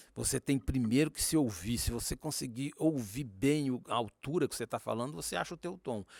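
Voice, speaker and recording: In a very clean recording with a silent background and a dry, close sound with no echo, a man of medium pitch speaks at a fairly quick pace with lively intonation and hardly any pauses. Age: 60s. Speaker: football radio commentator. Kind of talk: casual chat. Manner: loud.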